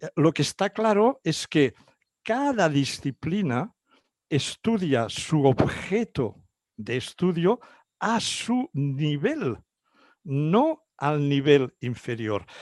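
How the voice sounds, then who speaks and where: A man with a Catalan accent speaks at a very slow pace, his fairly high pitch moving in very wide swings. The sound is dry and close with no echo, over a quiet background. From Catalonia, Barcelona. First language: Catalan (speaking Spanish). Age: 70s. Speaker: psychologist. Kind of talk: interview. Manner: halting.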